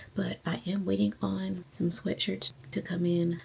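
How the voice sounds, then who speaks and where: A quiet woman's voice at fairly low pitch, with vocal fry and lively intonation. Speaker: vlogger and small business owner. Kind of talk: casual vlog talk. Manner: quiet, low voice.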